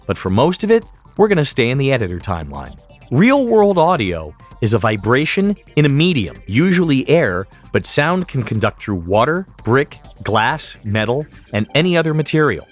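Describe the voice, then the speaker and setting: A man presenting a tutorial in scripted, explanatory narration, enunciating each term clearly. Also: medium pitch.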